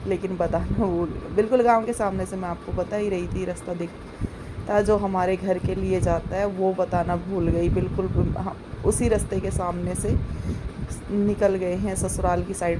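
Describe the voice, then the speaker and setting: A young woman chatting casually as she vlogs, her throat a little sore, with soft laughs and rambling asides. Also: fairly low pitch, background noise. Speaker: vlogger. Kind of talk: casual vlog narration and voice-over. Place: outdoors by a road, then voice-over.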